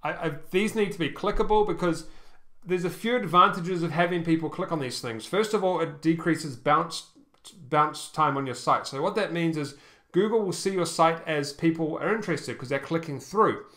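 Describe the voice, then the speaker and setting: A man screen-shares while reviewing an online store, talking casually and haltingly with lots of ums and restarts. He keeps checking in with "okay?" in a fairly high, fairly bright voice.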